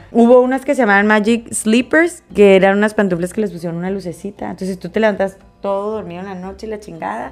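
A woman at a medium pitch talks very fast in an animated tone, with ordinary pitch variation and big swings in loudness. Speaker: podcast co-host. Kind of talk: casual chat.

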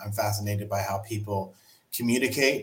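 A man's somewhat breathy, monotone voice with flat intonation, at a moderate pace. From small town. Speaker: video production company owner. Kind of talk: casual interview.

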